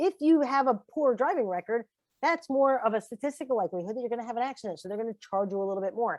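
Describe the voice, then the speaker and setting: Against a quiet background, a woman with a high voice talks at a very fast pace in an animated tone, the sound dry and close with no echo. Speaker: options trading instructor. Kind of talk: training webinar lecture.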